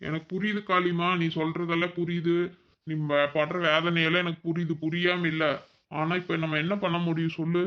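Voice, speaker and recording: A man's voice: fairly high pitch, level tone, brisk, muffled recording, close to an everyday voice. A man voicing a middle-aged village father in a cartoon, with a Kongu Tamil accent, patient and persuasive. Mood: consoling.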